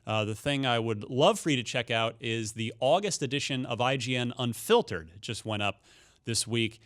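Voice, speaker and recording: A man's voice: medium pitch, moderate pace, a bit bright. A man hosting a podcast in casual, conversational talk, plugging things to check out. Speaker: podcast host.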